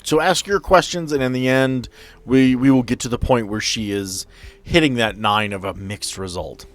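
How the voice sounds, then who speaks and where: A man's voice: medium pitch, moderate pace. A man speaking as game master, improvising narration and explaining rules at a tabletop role-playing game. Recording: music behind the voice. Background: music.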